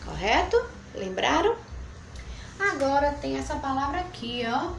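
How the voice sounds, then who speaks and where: A woman teacher with a fairly high, very lively voice, drawing out syllables as she counts them for young pupils. Her lesson is recorded in an echoey room with faint noise behind. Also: creaky. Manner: slow, drawn-out syllable counting, sweet diminutives. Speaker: primary school teacher. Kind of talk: recorded review lesson for children.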